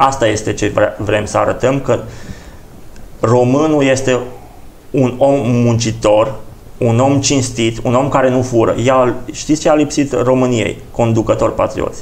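An ordinary speaking voice at a fairly slow pace, with very even loudness and fairly even intonation. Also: man, medium pitch for a man. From Romania, Brad (Hunedoara county); Hunedoara, Romania. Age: 40s. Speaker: local politician. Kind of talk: TV interview. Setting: studio. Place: studio. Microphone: lapel.

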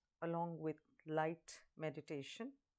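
A woman with a fairly low pitch talks in an unremarkable speaking voice. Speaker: meditation guide and tarot reader. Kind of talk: guided meditation. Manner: slow, calm, soothing; gently instructive, steady.

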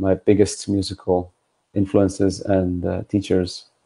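A man speaks with an Icelandic accent in a dark, mellow tone at a fairly low pitch. His intonation is monotone and flat, his pace is fairly slow, and the background is quiet. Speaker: orchestral flautist; interviewee. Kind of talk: interview. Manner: halting. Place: home room. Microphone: earbuds.

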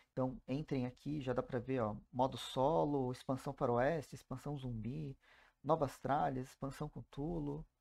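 In a quiet background, a woman with a very deep, low pitch and a dark, mellow tone speaks at a fairly slow pace with ordinary pitch variation. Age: 40s. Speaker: YouTuber reviewing crowdfunding projects. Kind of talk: solo video commentary.

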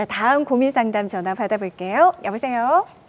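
A woman with a fairly high voice talks at a moderate speed, her pitch swinging very widely. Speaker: TV show host. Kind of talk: live call-in health show. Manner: formal, polite. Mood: warm, polite, smiling. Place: studio. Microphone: lapel.

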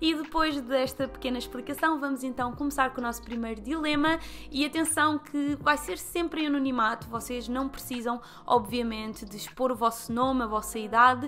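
Over faint background music, a woman speaks at a high pitch and moderate pace with ordinary pitch variation. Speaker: podcast host. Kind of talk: casual podcast talk. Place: studio. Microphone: studio mic.

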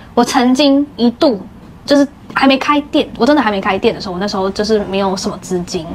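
Noticeable background noise sits behind a woman's voice. She speaks at a fairly quick pace with ordinary pitch variation. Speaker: beauty salon worker. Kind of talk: casual chat. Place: home room. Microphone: lapel.

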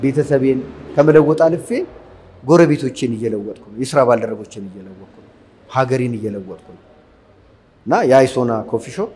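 A man's voice with big swings in loudness, ordinary pitch variation and light background noise. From Ethiopia, Welkite; Ethiopia. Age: 50s. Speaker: transport business owner; interviewee. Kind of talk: testimony. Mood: proud, upbeat. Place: cafe. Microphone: lapel.

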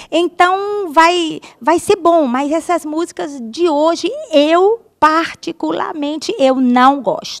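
The speaker goes at a very slow pace, with hardly any pauses. Pitch varies in an ordinary way over a quiet background. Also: woman, extremely high pitch for a woman. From Brazil. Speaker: singer; interviewee. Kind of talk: TV interview. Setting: theatre. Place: stage. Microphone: handheld.

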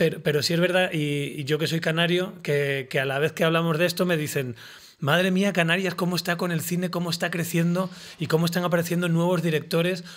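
Over a quiet background, a man with a high pitch talks at a fairly quick pace in a monotone, flat intonation. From Canary Islands. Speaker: actor. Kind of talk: casual interview. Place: studio. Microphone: studio mic.

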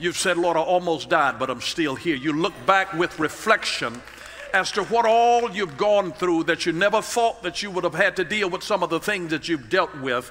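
Crowd noise fills the background. A man with a high pitch talks at a moderate pace. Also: ordinary pitch variation. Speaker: preacher. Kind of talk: sermon. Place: church. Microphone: headset.

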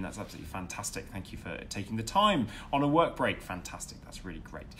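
A man at a fairly quick pace, with very wide pitch swings and light background noise. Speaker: academic hosting live Q&A. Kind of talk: casual live-stream chat. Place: home room. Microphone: phone near.

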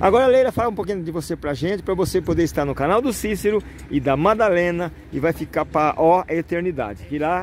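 Lively in intonation and high in pitch, a man talks at a fairly quick pace in a dry recording with no echo and light background noise. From Brazil. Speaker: travel vlogger. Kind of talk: travel vlog narration. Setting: outdoors. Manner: animated. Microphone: phone near.

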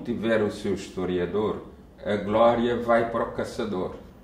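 Somewhat breathy, a man speaks with ordinary pitch variation over light background noise and audible room echo. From Cape Verde. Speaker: former independence fighter and head of state. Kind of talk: oral history interview answer. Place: office.

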